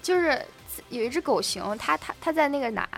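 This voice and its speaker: A woman's voice: high-pitched, expressive, fairly quick, gravelly, faint music behind. A young woman co-hosting a casual chat show who tells a joke with a giggle and stumbles over her words. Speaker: co-host. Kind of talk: casual chat, telling jokes.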